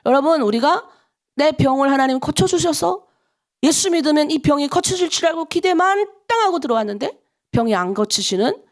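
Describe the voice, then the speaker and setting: A middle-aged woman pastor with a North Korean accent preaches at a dawn prayer service. Her voice sits high, and her pitch swings widely as she talks. She delivers the sermon in an animated way and acts out the voices of people in her stories. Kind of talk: early-morning prayer sermon.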